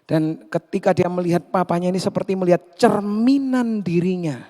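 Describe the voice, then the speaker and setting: Pastor guy telling a sermon story, lively, acts out people, big hall echo. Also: high-pitched, moderate pace. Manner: animated, acts out the characters. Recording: long hall reverb.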